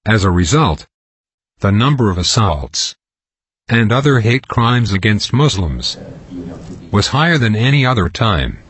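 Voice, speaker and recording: A man giving scripted narration between clips, measured, announcing each one. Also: lowish voice, very animated, fairly bright tone, husky, dry recording.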